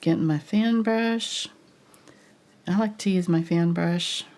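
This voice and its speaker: A woman's voice: slow, darkish tone. A woman with a stuffed-up nose from a cold and audible breathing, giving casual live painting instruction in a murmured way that trails off. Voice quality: congested, stuffed nose, low husky voice. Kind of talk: casual live tutorial commentary.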